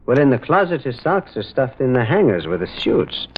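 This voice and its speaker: Musing priest detective with swooping voice. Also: male voice, medium pitch, big pitch swings, normal speed, husky. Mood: curious, puzzled. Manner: musing, hesitant, folksy. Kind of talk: old-time radio mystery acting. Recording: muffled old radio recording.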